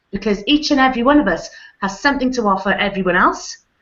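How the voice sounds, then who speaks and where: A woman with lively intonation at a very fast pace. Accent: British. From UK. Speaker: online business owner. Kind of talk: panel discussion.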